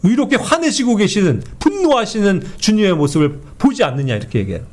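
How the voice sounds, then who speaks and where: A man teaching a Bible study in an animated way, who keeps asking his listeners to agree and acts out quoted speech. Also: sits high, fast talker. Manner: animated, often asks the group for agreement.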